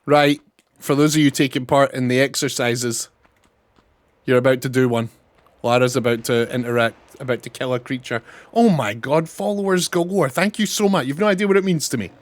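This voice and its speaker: A young man from Scotland with a mild Scottish accent, chatting excitably through a casual game stream, thanking followers and swearing now and then. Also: medium pitch, brisk, no room sound. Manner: chatty and excitable, swears, reads out chat names. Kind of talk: casual live-stream gameplay chat.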